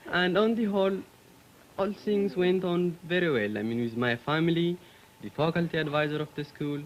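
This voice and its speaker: A teenage young man from Ethiopia with an Ethiopian accent, talking earnestly and haltingly on a student panel. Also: a little high, muffled recording, a little hiss or hum. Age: late teens.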